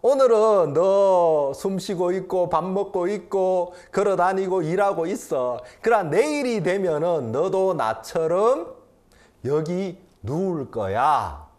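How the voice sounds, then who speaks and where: A middle-aged male pastor delivering a sermon, his pitch sitting a little high and leaping around with lively inflection. He alternates between loud, pressing declarations and hushed, confiding asides, and he often repeats a phrase to drive it home. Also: slow pace. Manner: swings between loud emphatic and quiet intimate delivery; repeats key phrases for emphasis.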